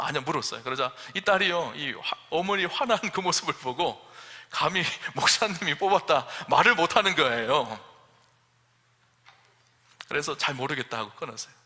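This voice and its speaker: Bright-voiced pastor in a reverberant church. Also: male voice, fairly high pitch, moderate pace. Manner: animated storyteller acting out dialogue, rising to emphatic questions. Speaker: senior pastor. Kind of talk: sermon storytelling. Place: church sanctuary. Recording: long church hall reverb.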